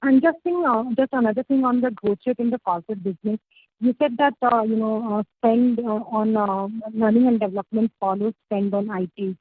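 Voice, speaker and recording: A woman's voice: a little high, fairly even intonation, brisk. A female analyst putting questions to management on an earnings call, heard over a phone. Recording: muffled, narrow phone line.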